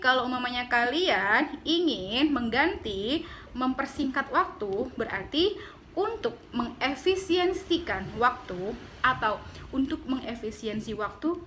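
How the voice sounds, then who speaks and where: A woman's voice: a little high, a bit bright, slight background noise. A woman giving a casual lesson on correct MC phrasing, chatty and corrective with teasing asides. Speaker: public speaking teacher. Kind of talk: casual instructional talk.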